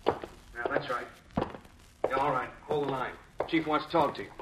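An actor playing a dutiful police subordinate, giving clipped, deferential reports in a 1950s radio drama. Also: male voice, mid-range voice, steady tone, normal speed, heavy background noise, close to an everyday voice.

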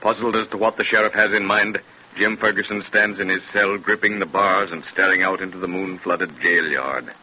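A portentous radio mystery narrator, low and very forceful, with measured theatrical delivery. The recording is an old, dull broadcast. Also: male voice, fairly even intonation. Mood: ominous. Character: grave, ominous male narrator of mystery tales. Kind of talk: dramatic 1930s radio narration. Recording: scratchy, band-limited 1930s radio recording.

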